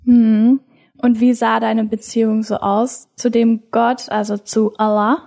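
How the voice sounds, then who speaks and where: A woman hosting a faith podcast interview, asking gentle, encouraging questions in a casual tone. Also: fairly high pitch, level tone, a little slow, gravelly.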